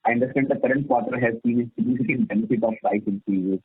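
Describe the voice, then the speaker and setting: A man with an Indian accent asks questions on a business conference call in a deferential, probing way. His voice is husky and mid-pitched. It comes through a narrowband phone line with little room sound. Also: fairly even intonation, fast, dry recording, soft background music. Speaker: analyst questioning company management on an earnings call.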